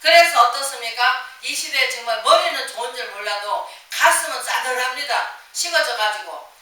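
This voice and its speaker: An older woman pastor delivers a sermon in a bright, fairly high voice, firing rhetorical questions and answering them herself. She stands away from the mic in a church sanctuary with heavy echo. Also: moderate pace. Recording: echoey room, voice from far off the mic.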